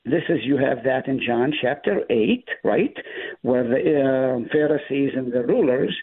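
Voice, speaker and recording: A man's voice: mid-range voice, measured pace, breathy edge. A man from the Middle East, a native Hebrew speaker, speaking as a guest pastor and explaining scripture emphatically. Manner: emphatic, explaining with rising stress. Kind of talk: Bible study discussion. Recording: tinny phone-line audio.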